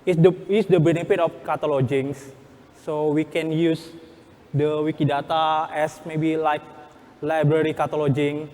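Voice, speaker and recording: Male workshop presenter, Indonesian accent, slightly high voice. Halting, instructional, non-native English. Reverberant hall sound. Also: little pitch movement, darkish tone.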